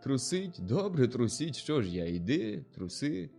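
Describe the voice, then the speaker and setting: A male narrator voicing a defiant, hot-tempered young male villager who talks loudly and scornfully. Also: mid-range voice, big pitch swings, a little slow, gravelly, faint music behind, pitched above the performer's own voice. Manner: loud, scornful, challenging.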